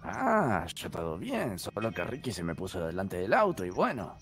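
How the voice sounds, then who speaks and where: A man, a fellow player in a game role-play, giving hurried, stammering explanations. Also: sits low, wildly swooping pitch. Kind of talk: game voice chat. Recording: game voice chat with loud noise.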